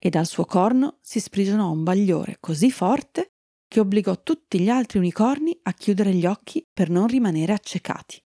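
Warm woman reading a children's fairy tale. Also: mid-range voice, expressive, moderate pace, no echo, clean studio sound. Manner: gentle, friendly, addresses young listeners. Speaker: children's storyteller.

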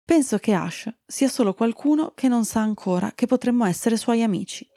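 A woman voicing a gentle, thoughtful young girl unicorn in a storybook, speaking softly and raising her voice higher than her own. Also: lively intonation, normal speed, no room sound, clean studio sound. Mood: hushed. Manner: soft, hushed.

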